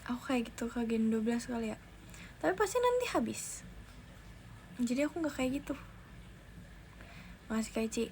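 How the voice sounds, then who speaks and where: Young woman livestreamer, fairly high voice, chatty, faint background noise. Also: sing-song, moderate pace, long pauses, darkish tone. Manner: chatty, thanks viewers, restarts sentences. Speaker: idol livestreamer. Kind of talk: casual livestream chat. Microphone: phone.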